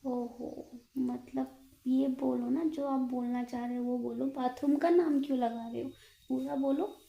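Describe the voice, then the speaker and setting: A woman's voice: high voice, steady tone, a little slow, creaky, mellow. A young woman chatting casually and coyly on a romantic phone call, teasing and asking repeated questions. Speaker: fiancée on a call. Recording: echoey phone call recording.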